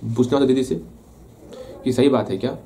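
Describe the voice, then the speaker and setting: In a casual revision session, a science teacher plays with key terms by repeating them and answers the questions he raises himself. His voice is mellow and mid-pitched, moving at a moderate pace.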